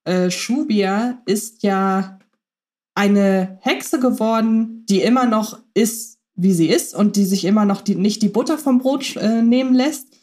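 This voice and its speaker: A woman's voice: medium pitch, a little slow, a little mellow. Woman musing, hesitant podcast host. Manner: thoughtful, many filler sounds and hesitations. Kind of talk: casual analytical chat.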